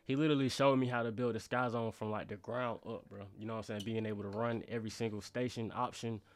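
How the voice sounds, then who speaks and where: Low-voiced young African American man chatting. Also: fairly even intonation, fast. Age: young adult. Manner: slangy, conversational, often says bro and you know what I'm saying. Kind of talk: casual storytelling chat.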